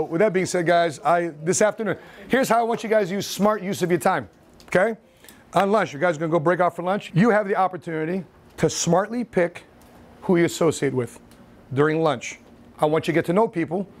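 High-voiced, animated seminar speaker man. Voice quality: animated, laughing, acting out scenes. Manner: paces and gestures in front of the audience. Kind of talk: motivational seminar talk. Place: indoor training room with whiteboard and seated audience.

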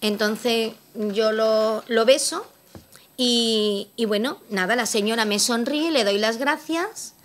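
Spanish lady telling her story to a crowd, bit high voice, keeps repeating words for effect. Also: slow, a little hiss or hum. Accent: Spanish from Spain. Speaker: event speaker giving a testimony. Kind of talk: personal testimony to an audience.

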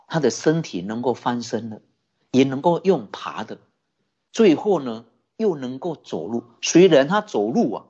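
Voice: medium pitch, warm tone, slightly rough. A Buddhist teacher giving a sermon, telling a story with many rhetorical questions. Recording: dull lo-fi recording.

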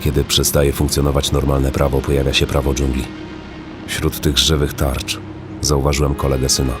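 A man's voice: very deep voice, completely flat delivery, moderate pace. A man playing a grim, plain-spoken middle-aged father in an audio horror drama, sober and matter-of-fact. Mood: grave, reasoning. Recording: music behind the voice.

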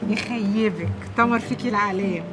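An actress playing a wronged young maid who wails and curses, with an Egyptian accent. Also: female voice, mid-range voice, fairly quick, natural voice. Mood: fretful banter. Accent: Egyptian Arabic. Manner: wailing, cursing outbursts. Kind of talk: TV drama acting.

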